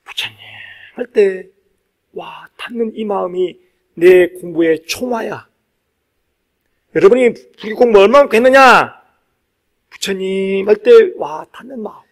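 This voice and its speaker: A man, a Buddhist monk, preaching to a congregation in an emphatic, exhortative way, repeating key phrases and pausing for weight. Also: sits high. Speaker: Buddhist monk giving a dharma talk. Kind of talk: sermon to a live congregation.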